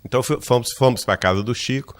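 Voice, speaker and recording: A man from Minas Gerais with a Brazilian Portuguese accent, giving a lecture at a spiritist center. He tells a personal story in a lively way and acts out the lines of the people in it. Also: mid-range voice, fast talker. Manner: lively narrator who acts out quoted dialogue, often asks "né?".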